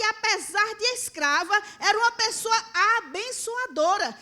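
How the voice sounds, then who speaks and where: A woman's voice: very high-pitched, pushed and bright. A Brazilian woman pastor preaching a sermon in church, earnestly addressing the congregation as brothers and sisters. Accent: Brazilian Portuguese.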